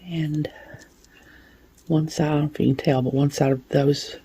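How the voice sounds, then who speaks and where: A woman, hoarse from a cold, talks through her bead unboxing in a soft, unhurried way. Her voice is gravelly and very raspy, with a dark, mellow tone. She sometimes drops almost to a whisper while showing the details. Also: sits low, fairly even intonation. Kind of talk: casual show-and-tell unboxing.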